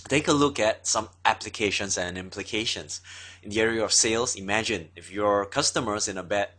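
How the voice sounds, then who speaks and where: A man teaches in a steady lecturing manner, often pausing on fillers as he works through his points. His voice sits on the lower side but carries a bright, forceful edge. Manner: steady explaining with frequent fillers. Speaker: instructor. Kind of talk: explanatory lecture.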